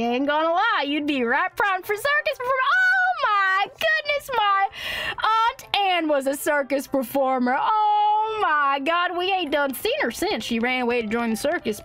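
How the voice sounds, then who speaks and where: A woman's voice: high voice, a bit bright. A woman streaming a game in a goofy, put-on country drawl, exclaiming and giggling as she plays. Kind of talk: in-character let's play commentary.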